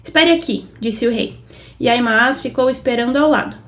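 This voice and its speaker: A woman with a Brazilian Portuguese accent reads Bible passages aloud in a slightly high voice at normal speed. Her delivery stays steady but lifts for quoted speech.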